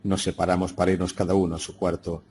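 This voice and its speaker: A man narrating a literary audiobook in a slow, solemn, reflective manner. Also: sits low, little pitch movement, a little mellow, slight background noise.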